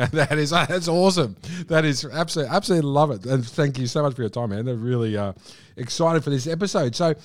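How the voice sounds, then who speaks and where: Effusive podcast host. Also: male voice, mid-range voice, quick pace, no room sound, studio quality. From Australia. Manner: effusive, repeats superlatives. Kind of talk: enthusiastic podcast interview. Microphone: remote call.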